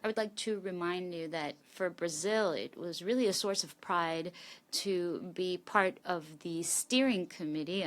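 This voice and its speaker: A woman working as a simultaneous interpreter, rendering a panelist's speech in a steady, formal first-person delivery. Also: on the low side.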